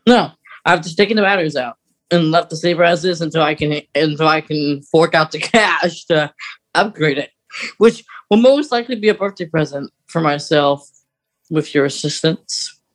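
A man's voice: a little high, normal speed, fairly bright tone. A man co-hosting a podcast in casual fan chat, often restarting his sentences mid-thought. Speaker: podcast co-host.

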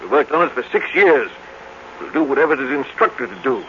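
A man's voice: medium pitch, very animated, a little fast, muffled recording, a little hiss or hum, close to an everyday voice. A man acting a stern, haughty older scientist in a 1950s radio drama, formal and precise in his speech, on an old recording. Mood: disdainful.

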